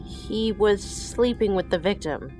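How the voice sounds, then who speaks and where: Police helper, thoughtful and perceptive, slow delivery over faint music, audio drama. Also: female voice, mid-range voice, animated. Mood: calm, focused. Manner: measured, thoughtful. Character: quietly perceptive woman assisting police detectives.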